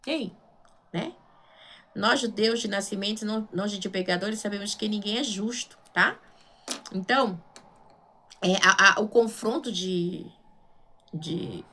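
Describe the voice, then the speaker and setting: Creaky-voiced Brazilian woman preacher. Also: medium pitch, pushed and bright, a little hiss or hum. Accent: Brazilian Portuguese. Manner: conversational, emphatic, with frequent rhetorical questions and check-in tags. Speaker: missionary preacher. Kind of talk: informal Bible sermon.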